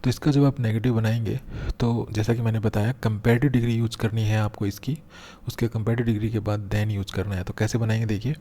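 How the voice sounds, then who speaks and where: A man teaching English grammar in a lesson, explaining patiently step by step and slowing down to read out example sentences. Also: on the low side, little pitch movement, mellow. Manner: patient, step-by-step, repeats key points.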